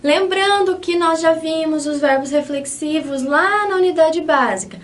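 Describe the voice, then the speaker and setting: A Brazilian woman with a high voice and a Brazilian Portuguese accent gives an online Spanish lesson. She explains patiently and keeps checking in with her students. Her voice sounds a little distant from the mic. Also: a little slow. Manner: patient, checks in often with the class. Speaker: Spanish teacher.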